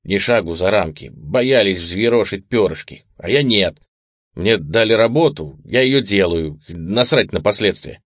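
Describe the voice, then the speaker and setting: A scornful ex-government analyst with a gruff, crude way of talking, as a man reads him in a very deep voice. His lines land heavy and dismissive. The sound is dry and up close. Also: animated, unhurried, fairly bright tone, no room sound. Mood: defiant. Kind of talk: audiobook reading.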